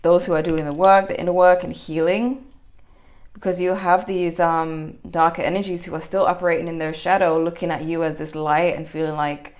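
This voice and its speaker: A woman's voice: lowish voice, flat delivery, moderate pace, a little mellow. A woman giving a casual, rambling general tarot reading to her viewers, full of fillers and restarts. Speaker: tarot reader.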